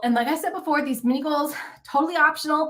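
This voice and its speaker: A woman's high, raised and projected voice at a very fast pace, with ordinary pitch variation over noticeable background noise. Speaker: YouTuber and life coach. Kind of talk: live stream chat. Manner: casual, filler-heavy.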